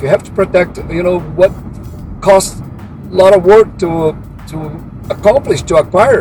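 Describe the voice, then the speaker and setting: A man's voice with a Brazilian Portuguese accent, music in the background. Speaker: field engineer. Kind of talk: casual vlog monologue. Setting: in a car. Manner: hesitant, many fillers.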